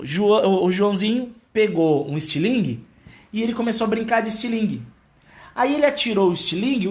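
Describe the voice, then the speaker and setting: A man preaches a devotional teaching, telling a story and animatedly addressing viewers directly. His voice sits high.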